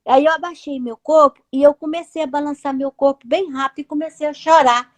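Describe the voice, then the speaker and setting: Brazilian lady, high voice, tells her near-death story, repeats herself a lot, gets teary. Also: fairly even intonation. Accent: Brazilian Portuguese. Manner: repetitive, halting storytelling. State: tearful at times. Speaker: near-death experience witness. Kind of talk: emotional personal testimony.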